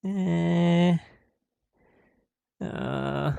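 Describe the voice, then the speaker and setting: Man, tech tutorial host, slow and halting, gravelly voice, dry close sound. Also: fairly high pitch, dry recording. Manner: hesitant, many "euh" fillers, reads out codes step by step; voices the software in playful mock dialogue. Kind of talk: screen-recorded tech tutorial.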